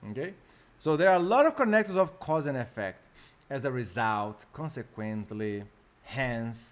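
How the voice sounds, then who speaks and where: A man with a Portuguese accent speaks at medium pitch with very wide pitch swings. The recording is very clean, with a silent background. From Brazil. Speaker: English teacher. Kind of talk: lecture. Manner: slow, repeating okay often.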